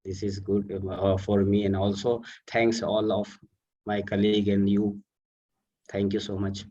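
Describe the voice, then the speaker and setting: A young man with an Indian accent, a native Urdu speaker, talking haltingly and earnestly in an online session. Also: on the low side, little pitch movement, mellow. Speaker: student participant. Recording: distant, dull online call audio.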